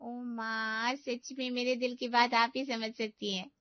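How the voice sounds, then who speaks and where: A sweet, showy young daughter in an animated family story, played by a woman. She gushes fondly in a raised voice. Dry, dull sound. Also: on the high side, measured pace, clean tone, no echo, voice pushed up, lightly acted. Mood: gushing. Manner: gushing, affectionate.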